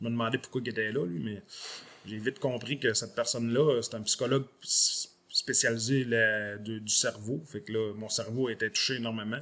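Using a bright, sharp tone, a man talks at medium pitch and a moderate pace with fairly even intonation. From Quebec, Beauce region. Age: 40s. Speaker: motivational speaker. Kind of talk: interview testimony.

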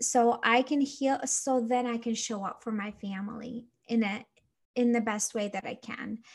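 A woman with an unremarkable speaking voice, fairly high in pitch and fairly even in intonation, at a moderate pace. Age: 30s. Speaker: stress and emotion coach for moms. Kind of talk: interview conversation.

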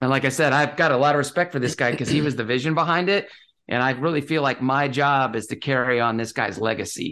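A man's very fast delivery, fairly high-pitched, with a bright, sharp tone, ordinary pitch variation, and a quiet background. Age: 50s. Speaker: real estate investor and former classical musician. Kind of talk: casual interview chat.

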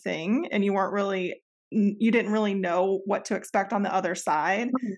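A woman with an American accent has a plain, everyday voice at medium pitch. She speaks at a moderate pace over a quiet background. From Kansas, US Midwest. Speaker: podcast host. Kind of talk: interview conversation.

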